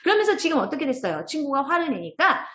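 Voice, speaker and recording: A woman giving an expressive online training lecture to teachers, acting out child voices as she explains. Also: high voice, fast, roomy sound. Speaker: early childhood curriculum trainer. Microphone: video call.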